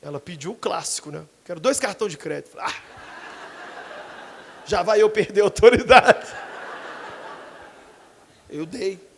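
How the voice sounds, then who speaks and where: High-voiced Brazilian pastor shouting a sermon. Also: male voice, expressive, measured pace, gravelly, long pauses. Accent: Brazilian Portuguese. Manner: dramatic storytelling, bursts into shouts. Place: church.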